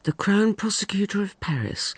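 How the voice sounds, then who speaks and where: A narrator delivering scripted radio drama narration in a slow, deliberate manner. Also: mid-range voice, expressive, slightly rough, no room sound.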